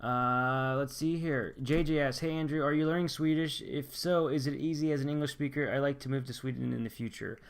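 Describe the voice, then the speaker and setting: A man's voice: mid-range voice, steady tone, a little fast, few pauses, clear, resonant tone. A young American man from Pennsylvania, chatting casually on his channel as he reads viewer comments aloud and answers them with loose, upbeat restarts. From Pennsylvania, USA. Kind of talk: casual vlog chat, reading comments aloud.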